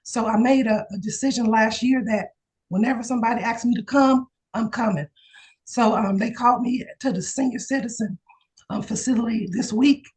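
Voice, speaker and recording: Hoarse excited woman on a video call. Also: fairly high pitch, normal speed, rough recording. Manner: excited, testimonial chat with laughs. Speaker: insurance agent. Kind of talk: casual video call chat.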